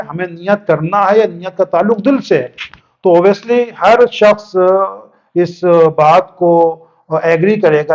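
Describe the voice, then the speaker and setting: A male cleric giving a religious lesson, explaining step by step, mixing English words in and repeating points for emphasis. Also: fairly high pitch. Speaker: Islamic cleric teaching religious rulings.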